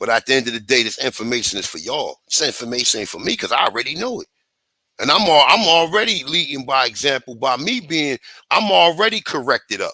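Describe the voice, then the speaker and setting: A man talks at a fairly quick pace in a fairly high pitch, his tone bright, sharp and animated with vocal fry and very wide pitch swings. The recording is very clean with a silent background and a dry, close sound with no echo. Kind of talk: heated livestream rant. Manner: stutter.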